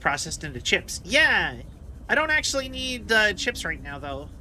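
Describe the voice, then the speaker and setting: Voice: medium pitch, sing-song, moderate pace, pushed and bright. A game streamer giving casual live commentary, rambling and thinking aloud while playing. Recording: clear game noise behind voice.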